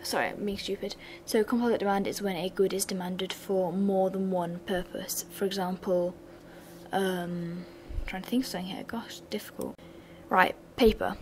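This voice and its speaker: Slightly raspy young woman, bored-sounding lesson. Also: mid-range voice, normal speed, a little hiss or hum. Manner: flat, bored-sounding delivery with asides. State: slightly raspy from sore throat. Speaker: revision channel host. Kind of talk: casual revision lesson voice-over.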